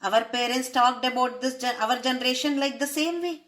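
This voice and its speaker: A woman's voice: high voice, moderate pace, fairly bright tone. A woman explaining a spiritual text, posing rhetorical questions and using Sanskrit terms. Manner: asks rhetorical questions to listeners. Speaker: spiritual teacher.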